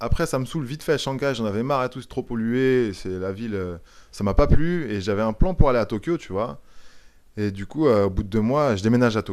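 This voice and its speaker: A man talks at a fairly quick pace in a plain, everyday voice. His pitch is medium and his intonation is lively. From France, Paris region (Nanterre). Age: 30s. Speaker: jiu-jitsu coach. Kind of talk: podcast interview. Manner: casual, many fillers.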